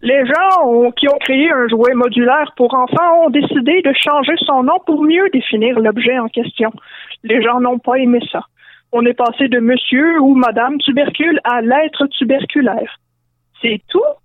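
A woman with a Québécois French accent narrating a comic story in a lively way. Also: high-pitched, moderate pace, no room sound. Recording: dry narrow phone-line sound.

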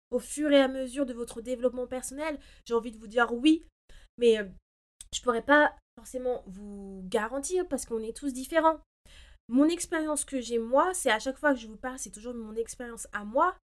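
High-voiced woman in casual motivational talk. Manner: mixes English phrases into speech. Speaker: personal development podcast host. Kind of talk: casual motivational monologue, informal address to listeners.

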